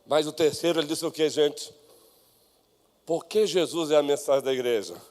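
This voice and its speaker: Fiery high-pitched Brazilian pastor preaching. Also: male voice, normal speed. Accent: Brazilian Portuguese. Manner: emphatic preaching, swings from soft asides to shouted exclamations; leads the congregation in reading aloud together. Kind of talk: expository sermon. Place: church sanctuary. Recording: long reverb of a church hall.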